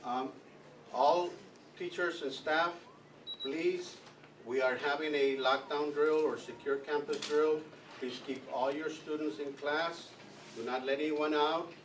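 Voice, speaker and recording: A man's voice comes over a school PA loudspeaker, booming and echoing through a large space from far away. He sits a bit high for a man and pauses often between phrases. Audible background noise runs under the announcement. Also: steady tone. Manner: halting, with fillers and repeated words. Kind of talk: school lockdown drill announcement. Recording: echoey PA sound from far off, noisy.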